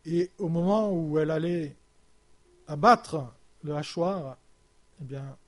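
A man delivers a sermon as a story, his voice sitting a little higher than most men's. He speaks haltingly, restarting words and pausing on fillers. His sentences often sink low and soft as they end. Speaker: preacher.

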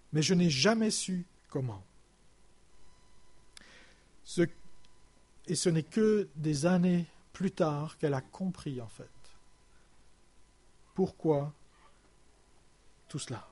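A man preaching a sermon in French, telling a story with many pauses and restarts, his voice sinking quiet at the ends of phrases. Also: lively intonation, husky. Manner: halting, with many restarts and fillers, voice dropping low and soft at phrase ends.

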